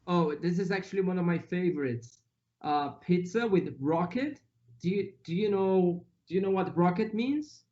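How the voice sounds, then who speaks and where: A man's voice: high voice, normal speed, dark tone, dull audio. A Brazilian man speaking English with a Brazilian Portuguese accent, chatting casually as a guest in an interview. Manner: easygoing, listing foods with Portuguese words.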